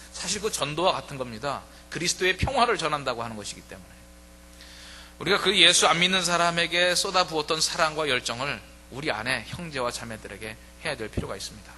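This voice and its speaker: A man's voice: on the high side, bright, forceful tone, in a large hall, a little hiss or hum. A man pastor giving a conversational sermon, acting out quoted voices as he preaches. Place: church sanctuary.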